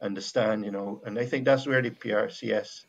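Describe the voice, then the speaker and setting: A man from Barbados with a Bajan accent, speaking as a missionary guest in a casual faith conversation, reflective and halting with many restarts. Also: fairly low pitch, fairly even intonation, vocal fry, breathy edge, muffled recording.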